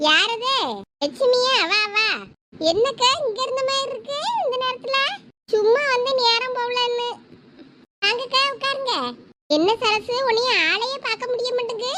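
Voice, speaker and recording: A woman voicing gossiping adult women in a cartoon comedy, speaking a with lively banter. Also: very high voice, very noisy.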